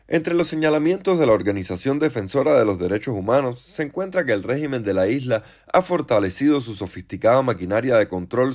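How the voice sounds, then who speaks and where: A man presents a news podcast from a script. His voice sits at an ordinary male pitch, and he narrates in formal sentences as the host. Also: a little mellow.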